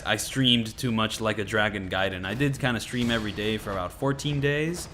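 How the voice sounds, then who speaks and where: A man's voice: lowish voice, a little fast, bright, forceful tone, a little hiss or hum. A man giving casual, rambling gameplay commentary, a little stuffy from a cold. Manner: rambling, lots of filler words. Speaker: gaming commentator.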